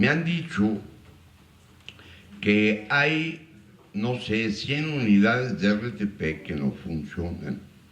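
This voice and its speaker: Audible room echo surrounds a man with a medium pitch. He talks at a very slow pace with very wide pitch swings. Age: 60s. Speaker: audience member. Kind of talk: audience question at public talk. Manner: halting, repetitive.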